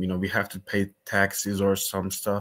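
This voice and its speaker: In a very clean recording with a silent background, a man speaks with a non-native accent. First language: not English. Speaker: caller asking a question. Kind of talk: question to host on live stream. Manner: halting, hesitant.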